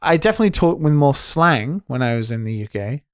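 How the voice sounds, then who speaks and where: A man from Wales with a mostly neutral British accent that has picked up American sounds, co-hosting a podcast in casual chat, soft-spoken and rambling with a lot of "like". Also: medium pitch, big pitch swings, brisk, clean tone, no echo, studio quality. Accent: mostly neutral British with some American pronunciations. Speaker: podcast co-host.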